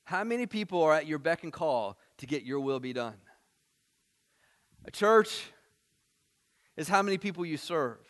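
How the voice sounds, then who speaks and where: A male pastor preaching a sermon to his church, earnest, rising to emphatic points and then dropping soft. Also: on the high side, expressive, normal speed, pauses often.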